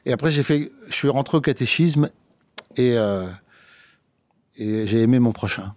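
A man's voice: medium pitch, moderate pace, a little mellow, dry recording. A man from France recounting his childhood in an interview, hesitant, with many fillers and restarts. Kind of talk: personal storytelling in conversation.

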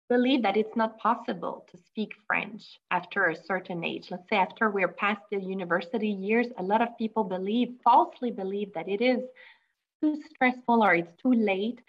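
A woman's voice: mid-range voice, lo-fi sound. A woman hosting an interview, welcoming and encouraging her guest. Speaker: host, company head.

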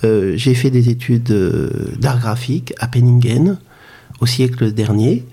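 A man in his fifties from France, a podcast guest talking in a halting, hesitant way with many fillers and restarts. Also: medium pitch, vocal fry, dark tone, slightly rough. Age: 50s. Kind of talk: conversational interview.

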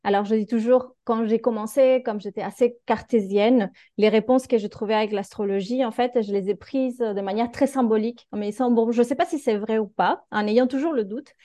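Reflective Argentine-born woman, mellow voice. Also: fairly high pitch, fairly even intonation, moderate pace, dry recording. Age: 30s. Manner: reflective, hesitant with many fillers. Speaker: podcast guest, astrologer. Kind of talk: casual interview chat.

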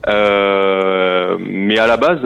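A man's voice: low-pitched, steady tone, very slow, gravelly, a bit bright, a little hiss or hum. A man in his thirties from Normandy, a winery manager speaking over the phone and hesitating with many fillers and restarts. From Normandy, France. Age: 30s. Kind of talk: phone interview. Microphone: telephone. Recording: muffled phone line.

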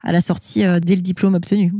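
A woman's voice: fairly low pitch, little pitch movement, fast talker, mellow, no room sound. A woman interviews conversationally through a face mask, sounding engaged with the person she questions. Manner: engaged, summarising and affirming answers. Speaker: interviewer, host.

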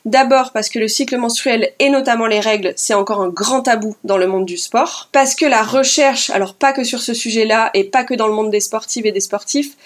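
A woman's voice: on the high side, normal speed, few pauses. A woman hosting a podcast interview, speaking thoughtfully and casually in a chatty way with frequent fillers. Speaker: podcast host.

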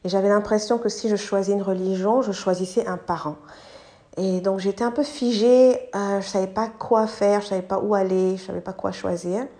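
A middle-aged woman from Côte d'Ivoire, a native English speaker, hosting a podcast and telling her life story thoughtfully, pausing to search for words and dropping in English ones. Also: mid-range voice, steady tone, warm tone. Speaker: podcast host. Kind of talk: personal storytelling monologue.

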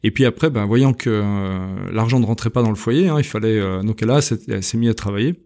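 A man's voice: fairly low pitch, brisk, darkish tone. Hesitant French businessman in his fifties. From France. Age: 50s. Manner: hesitant, many fillers and restarts. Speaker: company director. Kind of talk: casual interview. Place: company premises.

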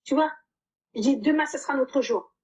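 A woman's voice: high-pitched, moderate pace, a little mellow. A woman in her fifties, of Portuguese origin, giving a heartfelt testimonial about her coaching with frequent hesitant fillers. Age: 50s. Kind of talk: emotional personal testimony.

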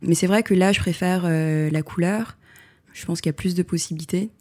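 A woman photographer answering interview questions in a reflective way, pausing often with fillers and restarting her sentences. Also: lowish voice, a little mellow. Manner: hesitant, many fillers and restarts.

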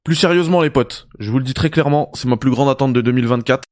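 A man's voice: medium pitch, fast talker, a little mellow, dry recording, clean studio sound. A young man hosting a gaming video, ranting in a mock-outraged, ironic, familiar way. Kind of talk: sarcastic gaming rant.

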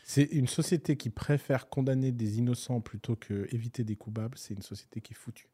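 A male podcast co-host in casual conversation, spinning stories with animated energy. He speaks at an ordinary mid pitch and curses freely when he gets worked up. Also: fairly quick, breathy edge. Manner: animated storyteller, swears freely.

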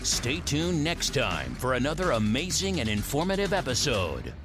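A man reads a show outro with a lively, swinging pitch. Music plays clearly behind him. His delivery is that of a broadcast announcer. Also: moderate pace. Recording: announcer voice over music bed.

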